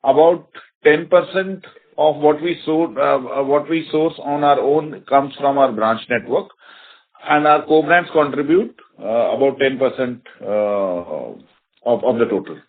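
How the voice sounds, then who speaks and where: A man, a bank executive giving a halting, self-correcting explanation on an earnings call. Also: medium pitch, narrow, tinny audio. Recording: telephone conference line.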